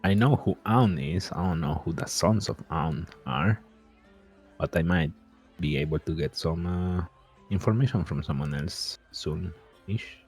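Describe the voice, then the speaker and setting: A man's voice: sits low, unhurried, darkish tone, soft background music. A man playing a tabletop game, speaking hesitantly and asking questions in character. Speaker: player.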